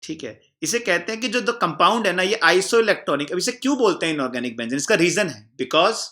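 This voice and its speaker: A man teaches an exam-prep chemistry lesson with a bright, fairly high voice. He turns every point into a question for his "children" and answers it himself. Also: animated, moderate pace. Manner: explains by repeating, asking the class and answering himself; calls the students "children" warmly.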